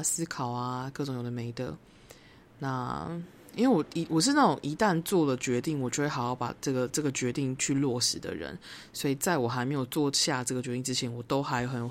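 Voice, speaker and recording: A young woman with a Taiwanese Mandarin accent hosting a solo podcast, talking in a reflective, rambling way and slipping into English phrases. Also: deep voice. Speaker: podcast host. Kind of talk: casual solo podcast monologue.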